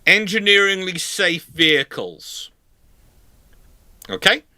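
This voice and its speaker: A man's voice: sits high, slow pace, sharp tone, no room sound. A man hosting a casual live question session, explaining things in an emphatic, rambling, chatty way. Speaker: livestream host answering questions.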